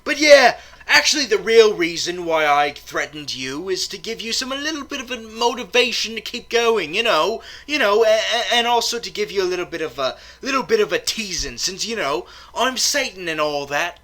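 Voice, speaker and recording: A woman's voice: medium pitch, animated, moderate pace, few pauses, a bit bright, natural voice. A woman playing Lucifer, a boastful, teasing devil supervillain, in a theatrical, emphatic comedy skit style. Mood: casual, teasing.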